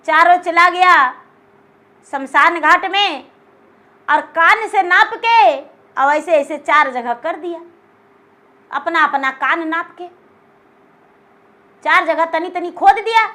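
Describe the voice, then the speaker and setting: A woman with a Magahi accent telling a devotional folk tale in a lively, dramatic way, addressing her listeners as brothers and sisters. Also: very high voice, takes it slowly, pauses often. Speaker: folk storyteller.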